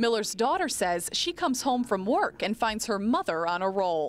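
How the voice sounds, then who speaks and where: On a very clean recording with a silent background, a woman with a plain, everyday voice talks at a moderate pace in a fairly high pitch with lively intonation. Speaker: TV news reporter. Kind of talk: local TV news report.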